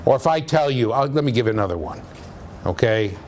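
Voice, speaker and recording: A man lecturing a university class in a conversational way, with a low voice, often checking in with "okay?". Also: expressive, fairly quick, a little mellow, slight background noise. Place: lecture room.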